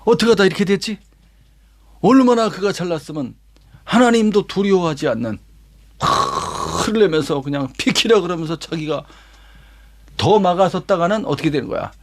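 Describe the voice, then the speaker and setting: A man's voice: high-pitched, very animated, normal speed, long pauses. A male pastor telling a Bible story as a lesson, dramatic, with vivid sound words and rhetorical questions. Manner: acts out quoted lines himself.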